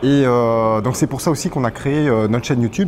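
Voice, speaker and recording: A man speaks at a fairly quick pace with ordinary pitch variation. There is noticeable background noise. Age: 30s. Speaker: property investor. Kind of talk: testimonial.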